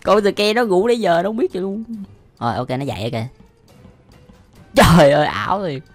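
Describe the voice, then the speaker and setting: A young video host with a Southern Vietnamese accent delivers brisk, expressive reaction commentary in a high voice, backed by soft music. His style is casual and slangy, with frequent exclamations and laughter.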